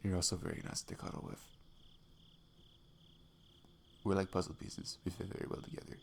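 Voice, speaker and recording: A man playing a shy, affectionate young best friend in an intimate ASMR roleplay, speaking softly and haltingly with a giggly manner. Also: low-pitched, level tone, gravelly. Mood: tender, content. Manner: halting, giggly, soft-spoken. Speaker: audio roleplay performer. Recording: faint noise, night crickets behind. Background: crickets and night insect ambience.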